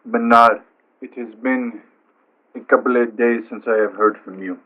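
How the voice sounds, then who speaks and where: A solemn tree man of the swamp, acted out by a man in a tabletop game. He speaks in formal, deliberate phrases with grave care, through a tinny, narrow phone filter. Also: mid-range voice, steady tone. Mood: concerned, formal. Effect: phone or radio filter.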